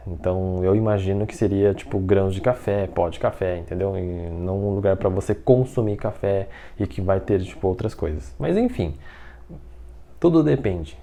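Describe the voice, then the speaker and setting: A man with a mellow, warm voice teaching a relaxed online language lesson. He talks in a chatty way, says words slowly and repeats them, and checks in with tag questions after nearly every phrase. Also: lowish voice. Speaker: Mandarin teacher.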